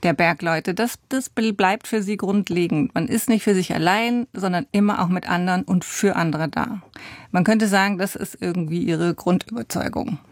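A woman reporter narrating a radio feature in a measured storytelling manner, recorded in a studio. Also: lowish voice, dry recording.

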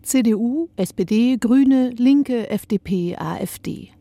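A woman narrating a radio feature report in a clear, even way. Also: on the high side, unhurried, no room sound.

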